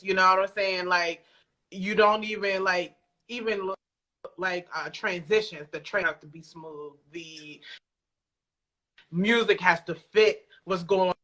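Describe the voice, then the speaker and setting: An American woman from Alexandria, Virginia, an audio drama creator, chats casually as a guest on a podcast. Her voice is lowish yet fairly bright, steady in tone and measured in pace, though the recording quality is poor.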